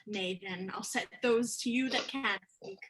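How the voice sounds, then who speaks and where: A woman's voice: mid-range voice, measured pace, fairly bright tone, lightly acted. A woman playing an indignant, frightened queen and mother in a theatrical reading of Shakespearean verse. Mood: stern, indignant. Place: remote livestream from home.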